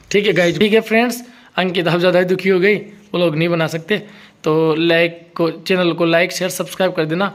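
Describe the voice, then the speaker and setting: High-voiced man hosting a family vlog. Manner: coaxing and comforting, talks to camera and partner. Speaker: vlogger host. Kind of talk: casual family vlog chat.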